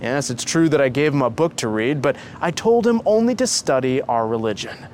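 Man reading as an earnest, pious young man, lively intonation. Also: medium pitch, fairly quick, a little hiss or hum, natural voice. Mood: calm, persuasive. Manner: reassuring, persuasive, preaching.

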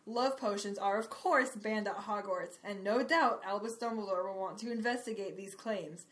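A woman's voice: medium pitch, moderate pace, a bit bright, lightly acted. A woman voicing a gossipy, sensational female tabloid reporter, reading a magazine article aloud with mock-serious melodrama. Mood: mock-dramatic.

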